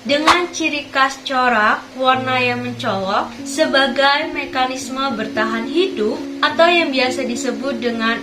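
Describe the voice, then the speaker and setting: A woman with a hoarse voice from a cold hosts a chatty educational video, asking her viewers questions as she narrates facts. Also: sits high. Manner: chatty, asks viewers questions, mixes in English phrases. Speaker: educational YouTube host. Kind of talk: scripted encyclopedia narration. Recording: echoey room with loud background music.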